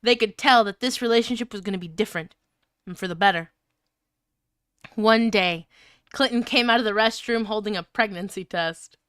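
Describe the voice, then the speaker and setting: A woman's voice: medium pitch, moderate pace, long pauses, a bit bright, clear, resonant tone, no echo, studio quality. A woman reading fan fiction aloud in a casual livestream style, breaking up into giggles and swearing as she comments. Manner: crude, swearing banter.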